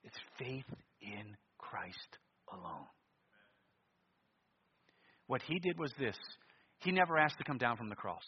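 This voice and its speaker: A man preaching a sermon with passion, swinging between loud declarations and hushed, intense tones, his voice a little husky. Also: medium pitch, very animated, takes it slowly, pauses often, slight background noise. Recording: dull lo-fi sound with long hall reverb.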